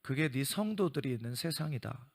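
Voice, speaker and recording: A man voicing God as a stern but tender father who questions him quietly. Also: medium pitch, animated. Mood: gently reproachful. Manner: slow, questioning, quietly reproachful.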